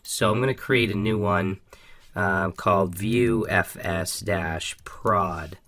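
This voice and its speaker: A man hosting a casual coding tutorial, walking through each step in a relaxed, upbeat way with a few ums and restarts. His voice is still a little raspy from an illness. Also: fairly low pitch, takes it slowly. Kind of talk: screen-recorded coding walkthrough.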